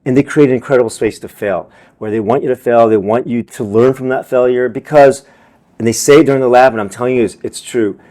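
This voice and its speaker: A man at a middle pitch answers interview questions with earnest energy. He circles back, repeats words and fills gaps with "you know" as he builds each point. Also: fast, a little mellow. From Vietnam, raised in America. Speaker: film director and teacher, interview guest.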